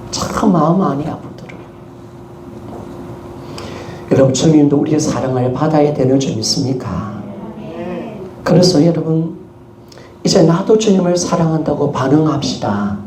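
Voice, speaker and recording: A man's voice: on the high side, moderate pace, long pauses. A male pastor with a Gyeongsang Korean accent preaching a sermon, emphatic and calling out to the congregation for a response. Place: church sanctuary. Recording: echoey church hall with background noise.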